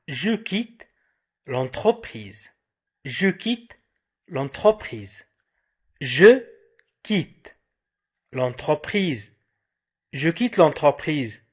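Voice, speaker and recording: Man drilling phrases slowly, then rushing glosses. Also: on the high side. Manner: says each phrase slowly several times, then glosses it quickly. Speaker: French teacher. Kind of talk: slow repetition drill with translations.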